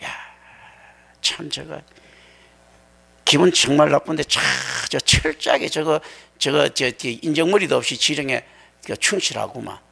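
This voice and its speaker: A man voicing a weary, resigned grown man in a sermon, muttering low and sardonic. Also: measured pace, gravelly, pauses often, bright, forceful tone, breathy edge, exaggerated voice. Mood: grumbling. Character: weary adult man Jesus, resigned to his death.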